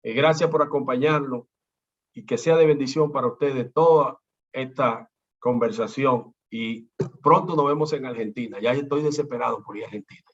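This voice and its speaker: A man preaching and teaching a congregation in an animated way, acting out the people he quotes. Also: medium pitch, moderate pace. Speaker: pastor. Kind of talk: preaching talk. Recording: dull lo-fi sound.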